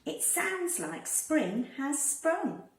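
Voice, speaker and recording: A woman voicing an eager, excitable rabbit in a children's storybook, with exclamatory, drawn-out delivery. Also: sits high, pitched above the performer's own voice, heavily acted. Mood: joyful, excited. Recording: roomy, distant microphone.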